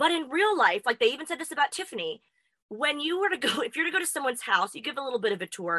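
Raising and projecting her high voice, a woman with an American accent talks at a very fast pace with very wide pitch swings, recorded dry and close with no echo. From Texas and Southern California. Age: 30s. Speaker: wrestling announcer and podcaster. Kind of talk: casual chat.

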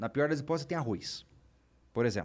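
Vocal fry on a very clean recording with a silent background. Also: man. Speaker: survivalism youtuber. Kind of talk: casual chat.

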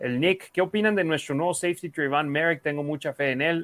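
A man with an unremarkable speaking voice, a fairly quick pace and ordinary pitch variation, on a very clean recording with a silent background. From US, East Los Angeles. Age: 30s. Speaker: sports podcast host. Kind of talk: casual sports talk show.

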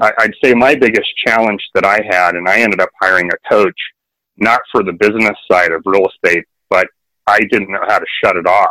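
Recorded with a dry, close sound and no echo, a man speaks at a moderate pace with a bright, sharp tone. His pitch is fairly low and his intonation fairly even. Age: 40s. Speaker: real estate agent. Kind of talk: interview.

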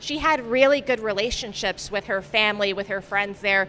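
A bright, sharp voice with a New York accent speaks at a moderate pace. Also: woman. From New York, Queens. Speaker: radio journalist and memoirist. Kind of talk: live panel interview. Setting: stage with audience.

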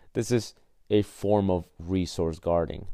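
A man speaks at a fairly slow pace in a dark, mellow tone. His intonation is fairly even, and the background is quiet. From Peru, moved to US around age 12-13. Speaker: dog trainer. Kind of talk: solo podcast monologue. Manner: halting, many fillers.

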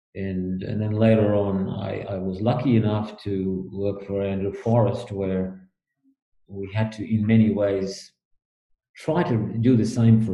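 In a room with audible echo, a man speaks fairly slowly in a fairly low, somewhat breathy voice with fairly even intonation. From India (Chennai). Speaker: sports executive and management consultant. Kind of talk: interview conversation.

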